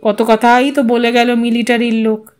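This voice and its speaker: A woman's voice: fairly high pitch, little pitch movement, moderate pace, darkish tone, natural voice. A woman voicing a dazed, bereaved village father in an audiostory, speaking in a subdued, detached manner. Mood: flat, proud.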